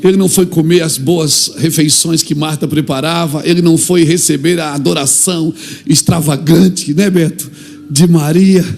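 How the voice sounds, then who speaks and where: A man preaching a fervent sermon, acting out little dialogues and building up to shouts. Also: a little high, fairly even intonation, moderate pace, creaky, slight background noise.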